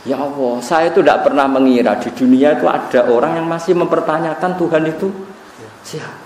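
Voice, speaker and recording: A man's voice: fairly high pitch, a little fast, a little mellow, slight background noise, voice pushed up, natural voice. A man retelling a devout woman mystic's tearful plea to God in a raised, plaintive tone. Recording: roomy, distant recording.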